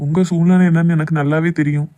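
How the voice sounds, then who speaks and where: A man's voice: fairly high pitch, level tone, fast talker, mellow, natural voice. A man playing a hurt, jealous young lover in a cartoon love drama, with a southern Tamil Nadu accent. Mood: hurt, sarcastic.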